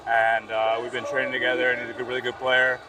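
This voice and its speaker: A man who plays rugby, answering interview questions in a relaxed, hesitant way. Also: mid-range voice, quick pace. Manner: relaxed, hesitant, lots of "uh, actually". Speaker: rugby fan and club player. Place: outdoor stadium plaza. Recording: crowd noise, mic at a distance.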